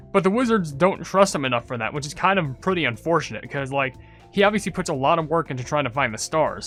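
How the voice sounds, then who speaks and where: A man's voice: fairly high pitch, fairly bright tone. A young man giving casual, rambling gaming commentary, thinking aloud as he goes. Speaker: gaming video creator.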